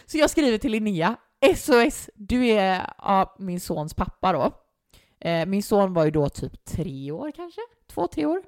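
A young woman tells a story in relaxed podcast chat. She acts out the quoted voices as she goes. The recording is dry and close, with no room sound. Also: medium pitch, no room sound. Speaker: guest. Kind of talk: casual storytelling.

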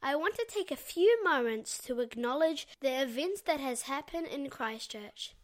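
Woman, New Zealand accent, podcast host, earnest scripted intro, high animated voice. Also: moderate pace. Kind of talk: scripted introduction and interview questions.

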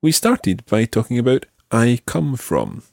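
A man hosting a podcast language lesson, modelling phrases slowly and clearly for a learner. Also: mid-range voice, wildly swooping pitch, a little mellow, dry recording, clean studio sound. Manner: slow, clear teaching delivery with drawn-out model phrases. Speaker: language teacher and podcast host.

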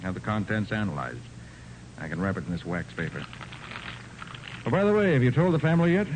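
A confident American detective in a 1940s radio drama. His voice is low and very lively, brisk and genial, with faint noise from the old recording. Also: rough recording. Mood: probing. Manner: brisk, assured, colloquial.

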